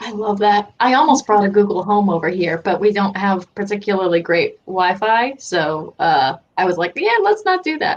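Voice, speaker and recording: Speaking with an American accent and an unremarkable speaking voice, a woman keeps a moderate pace with hardly any pauses at a medium pitch with ordinary pitch variation. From US South, Florida. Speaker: children's author and video host. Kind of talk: casual livestream chat.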